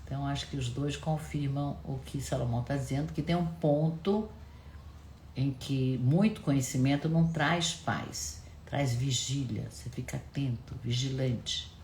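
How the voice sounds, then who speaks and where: A woman talks to her live-stream viewers in a low voice, telling stories with animated energy. She keeps tagging her sentences with questions, and the room around her sounds echoey, with faint background noise. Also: normal speed. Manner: animated storytelling, frequent "né?" tag questions. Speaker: live-stream host discussing books and films. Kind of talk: casual live-stream talk. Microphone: camera at close range.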